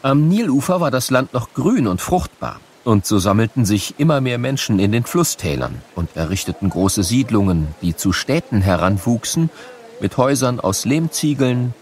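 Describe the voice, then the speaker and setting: A man narrating a scripted educational programme for children in an explanatory, measured storytelling manner. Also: fairly low pitch.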